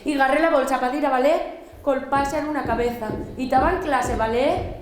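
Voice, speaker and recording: A woman with an Asturian accent performing a theatrical storytelling monologue, speaking as a lively, mock-dreamy little girl. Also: high voice, brisk, reverberant, a little hiss or hum.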